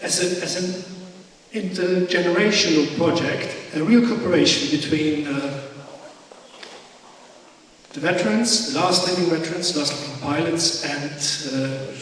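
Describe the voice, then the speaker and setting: A man, not a native English speaker, presents slides in a fairly high voice. He speaks very slowly and hesitantly. The sound is distant and swims in heavy hall echo. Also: a bit bright. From non-English, non-Polish-speaking country, Polish family. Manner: halting, hesitant delivery. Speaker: architect, guest speaker. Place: large echoing hall, event audience. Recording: echoey hall, distant mic, faint noise.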